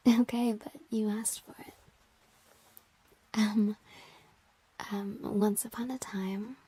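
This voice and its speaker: A woman playing a playful, flirty crush in an intimate ASMR roleplay, speaking in a soft, breathy whisper with a teasing, hesitant manner. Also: mid-range voice, fairly even intonation, takes it slowly, no room sound. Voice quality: breathy, mostly unvoiced whisper.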